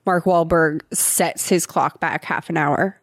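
A woman's voice: low-pitched, fairly even intonation, a little slow, no room sound. Female co-host, wry playful recap delivery, dry studio sound. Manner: wry, playful, acts out characters. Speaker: podcast co-host. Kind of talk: casual chat recapping a movie.

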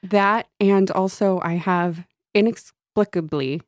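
She takes it slowly, her medium-pitched voice captured cleanly on a studio microphone without echo. A casual podcast co-host with a slight Midwestern accent, she laughs frequently, plays with how words sound, and her braces let out a faint whistle.

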